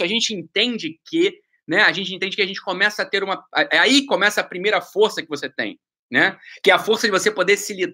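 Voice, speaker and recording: A man's voice: high-pitched, pushed and bright. A man with a Brazilian Portuguese accent, hosting a live stream and ranting bluntly at viewers, sarcastic and swearing often. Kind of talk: blunt motivational rant.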